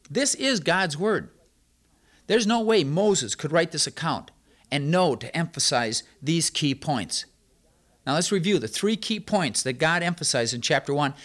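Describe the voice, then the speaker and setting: Emphatic male preacher, somewhat high voice. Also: a bit bright. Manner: emphatic, with insistent repetition. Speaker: Bible teacher. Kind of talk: sermon.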